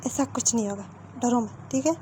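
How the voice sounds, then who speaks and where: A protective young man, read by a woman storyteller who reassures softly. Her voice stays warm and mellow with a faint background hiss. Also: on the high side, fairly quick, natural voice. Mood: soothing. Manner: gentle, reassuring.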